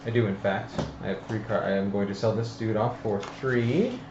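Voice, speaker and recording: A man's voice: fairly low pitch, moderate pace. A man explaining game rules in casual table chat, a little hesitant as he thinks aloud. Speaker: player explaining board game rules on a live stream. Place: room around a game table, live stream. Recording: muffled, noisy, echoey room recording.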